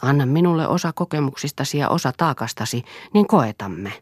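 A steadfast wife standing her ground, read by a woman in an audiobook. She speaks firmly and resolutely in a low, dry, close voice. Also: lively intonation, husky, no echo, full character voice. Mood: defiant. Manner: firm, resolute.

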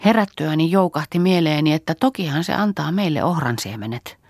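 A woman voicing a devout, quiet young peasant woman in an audiobook. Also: low-pitched, animated, dry recording, clean studio sound, pitched above the performer's own voice. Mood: earnest.

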